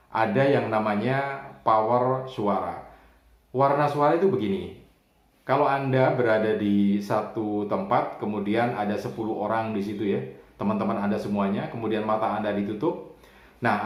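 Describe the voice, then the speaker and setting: A man's voice: on the low side, normal speed. A man giving a chatty public speaking lesson to camera, with frequent tag fillers. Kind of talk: spoken voice tutorial to camera. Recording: roomy echo.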